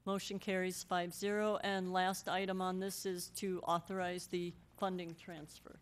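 A woman's voice: lowish voice, flat delivery, normal speed. A middle-aged American woman speaking informally as the mayor chairing a council meeting, on a desk microphone in a council chamber. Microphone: gooseneck desk microphone.

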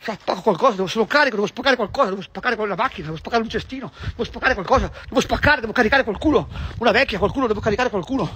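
A man, vlogging outdoors on a city street, agitated and swearing constantly, repeating himself with bursts of shouting. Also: high-pitched, expressive, very fast, few pauses, a little hiss or hum. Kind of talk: ranting street vlog.

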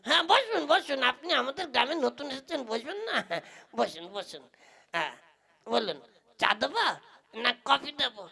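A woman's voice: high-pitched, very animated, normal speed, gravelly, sharp tone, breathy edge, exaggerated voice. A woman playing a cheeky, greedy male tea seller who stalls and teases in an exaggerated comic puppet play. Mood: cheeky, boastful. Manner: exaggerated, teasing, long-winded.

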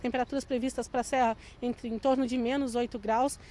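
A woman meteorologist with a high voice explains the forecast in a steady, measured way. She talks into a handheld reporter mic on a city street, with faint traffic noise behind her. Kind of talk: live outdoor weather interview.

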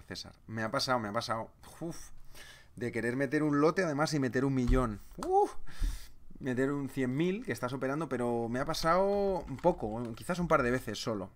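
A man's voice: medium pitch, a bit bright. Chatty man presenting a trading webinar. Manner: chatty, retells stories and answers chat comments.

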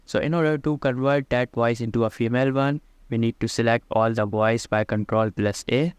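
A man giving plain step-by-step instructions over a screen recording of a software tutorial. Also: medium pitch, fairly even intonation, clean tone, no echo. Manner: plain step-by-step instructions, slightly halting phrasing. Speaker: tutorial presenter.

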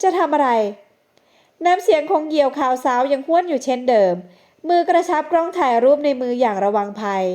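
High-voiced woman narrating a novel. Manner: measured, expressive storytelling. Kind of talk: scripted narration.

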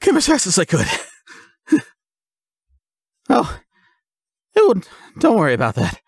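A young man playing a goofy, excitable, reckless jock boyfriend in a roleplay audio drama, rambling eagerly and stammering. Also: high-pitched, measured pace, creaky, slightly rough, dry recording, studio quality, heavily acted. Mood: casual, bragging.

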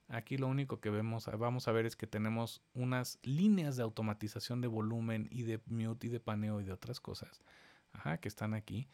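A man, giving a step-by-step screen-recorded software lesson and talking straight to his viewers. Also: mid-range voice, vocal fry. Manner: explains step by step, addressing viewers directly. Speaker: instructor.

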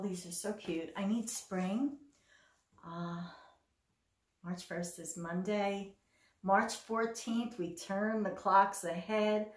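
Middle-aged woman hosting a casual crafting vlog; upbeat show-and-tell, recorded in a roomy, echoey space. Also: mid-range voice. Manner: chatty, self-deprecating, enthusiastic. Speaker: cross stitch vlogger. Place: home craft room.

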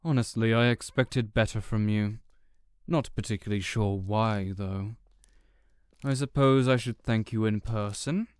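A man playing a smug, contemptuous supervillain in an audio roleplay, speaking in a deliberate, condescending way. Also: fairly low pitch, a little mellow, clean tone, dry recording, lightly acted. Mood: smug, cold. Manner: deliberate, condescending, theatrical monologuing. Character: smug, contemptuous male supervillain gloating over a beaten rival. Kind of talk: audio roleplay villain acting.

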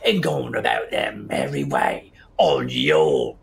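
An actor playing a gruff, menacing sheriff who barks orders and draws out his threats, in a gravelly voice. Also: very deep voice, huge pitch swings, exaggerated voice. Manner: barking, drawn-out threats. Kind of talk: audio drama acting.

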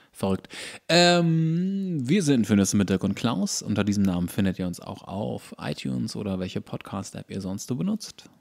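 A man's voice: fairly low pitch, lively intonation, a little slow, gravelly, a little mellow. Wry man in casual podcast banter. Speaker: podcast co-host. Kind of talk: casual comedic chat.

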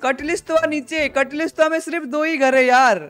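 Young guy with a high voice doing a chatty gaming reaction, excitable, talking to viewers, soft music behind. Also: moderate pace. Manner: chatty and excitable, calls out to viewers, chuckles at the footage. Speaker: gaming YouTuber. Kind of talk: casual game reaction commentary.

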